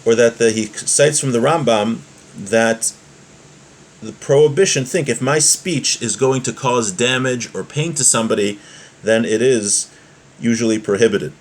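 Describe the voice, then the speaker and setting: A man's voice: mid-range voice, a little slow. A man giving an informal religious text lesson in an explanatory, often hesitant way, as a teacher of Jewish law. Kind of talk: text lesson, reading aloud then translating and explaining.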